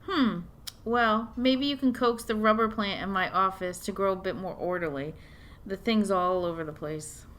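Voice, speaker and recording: A woman acts out a small-town mayor and mother in middle age, in audio drama style. Her voice sits at a medium pitch. She is courteous and direct, welcoming yet weighed down by concern. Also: moderate pace, fairly bright tone, close to an everyday voice. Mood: courteous, brisk.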